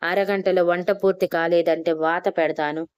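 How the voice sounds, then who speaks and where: A woman acts out a harsh, haughty lady of the house in a storybook, scolding with irritation. The voice is very clear and dry. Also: on the low side, fairly even intonation, moderate pace, darkish tone, dry recording, lightly acted. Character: haughty rich older woman, harsh mistress.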